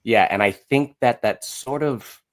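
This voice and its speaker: An American man in his thirties talking casually on a podcast, haltingly, repeating words as he thinks. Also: mid-range voice.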